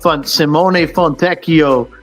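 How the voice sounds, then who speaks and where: A man's voice: on the high side, takes it slowly, soft background music. A man hosting a casual sports talk show, rambling with lots of fillers and restarts. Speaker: sports podcast host.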